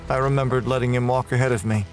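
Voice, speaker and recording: An actor playing a tormented, damned murderer, delivering a brooding first-person horror audio drama monologue. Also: male voice, mid-range voice, fairly even intonation, fast, lightly acted, poor audio. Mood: cold, brooding. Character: damned male murderer prisoner, tormented, confessing in hell. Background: music.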